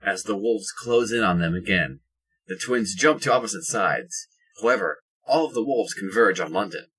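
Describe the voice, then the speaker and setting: Deep, bright, husky male narrator. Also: moderate pace. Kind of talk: scripted audio drama narration.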